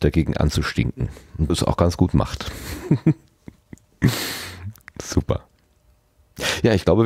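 A man's voice: very deep voice, mellow, dry recording, clean studio sound. A man casually moderating a podcast conversation as its host.

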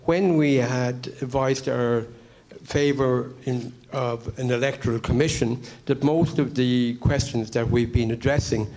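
Middle-aged man from Ireland, floor comment, halting, many fillers, middle pitch, handheld mic, large conference hall. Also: steady tone, darkish tone. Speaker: convention member. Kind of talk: floor comment at public meeting. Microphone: handheld microphone.

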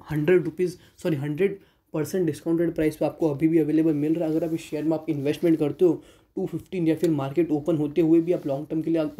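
A man's voice: on the high side, mellow. A man hosting a stock market channel, giving a voice-over analysis of share figures and mixing English terms into Hindi, at times correcting himself mid-sentence.

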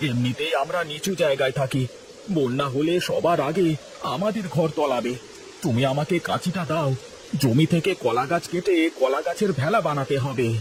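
A man's voice: a little high, a little hiss or hum, close to an everyday voice. A man voicing a practical village husband in a cartoon, speaking plainly and steadily. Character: practical poor villager husband, male, calm. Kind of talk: cartoon voice acting.

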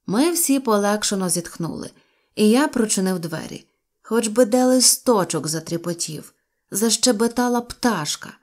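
A woman narrating a children's story aloud with a lively, expressive reading. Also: mid-range voice, normal speed. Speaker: audiobook narrator.

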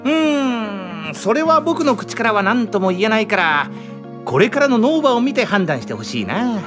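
An actor playing an easygoing, quietly confident male stage director with a breezy, playful manner in a voice drama. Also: high voice, sing-song, normal speed, music in the background. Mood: light, reassuring. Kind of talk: anime-style voice drama acting.

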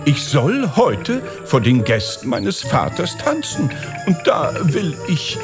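A man voicing a dainty young female stork in a high, prim voice with hesitant pauses. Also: huge pitch swings, over music, full character voice. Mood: coy.

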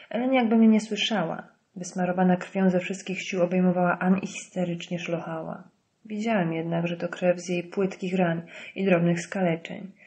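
Female audiobook reader, steady measured narration, fairly low voice. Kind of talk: scripted narration.

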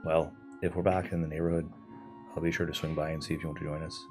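A man's voice: a bass voice, level tone, quick pace, music in the background. A man playing a solemn, folksy dwarf cleric adventurer in a tabletop game. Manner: solemn, folksy, calls others lad.

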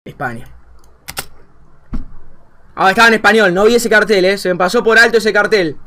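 Young argentine guy streaming, high voice, mutters then gets all hyped up. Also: normal speed. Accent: Argentine Spanish. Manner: excitable, thinks aloud, swings from muttering to shouting. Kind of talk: gameplay commentary.

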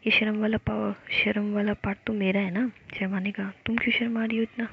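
A woman voicing a sassy, touchy young woman lover in a whispered role-play, coy and sulky in a soft whisper. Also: medium pitch, level tone, brisk, vocal fry, dull audio, slight background noise, close to an everyday voice.

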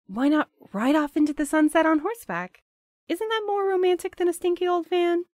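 A woman playing a gentle, hesitant, romantic young courier in an audio drama, thoughtful and a little awkward. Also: extremely high pitch, a little fast, no echo. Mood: wary, wistful.

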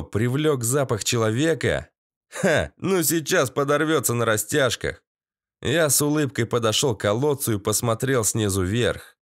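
A man's voice: medium pitch, no echo, clean studio sound. Man reading a dramatic audiobook. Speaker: audiobook narrator. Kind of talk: scripted first-person audiobook narration.

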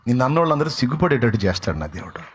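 A man's voice: mid-range voice, sing-song, rapid-fire, slightly rough, some chatter behind. A man pastor delivering a dramatic sermon full of rhetorical questions and emphatic repetition.

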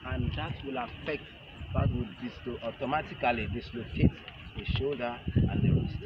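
A man in his thirties teaching a hands-on self-defense lesson in short, halting phrases, repeating his instructions. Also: medium pitch, steady tone. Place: large open concrete outdoor arena with stepped stands. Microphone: camera a few metres away. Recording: muffled outdoor camera audio, loud ambient noise. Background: loud outdoor ambient noise.

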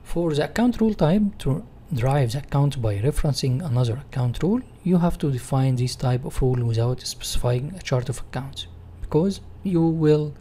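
Mellow-voiced Egyptian man teaching, noisy recording. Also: mid-range voice, expressive, normal speed, few pauses. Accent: Egyptian Arabic. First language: Arabic. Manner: repeats and rephrases in non-native English. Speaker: instructor. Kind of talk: software tutorial reading slides and explaining.

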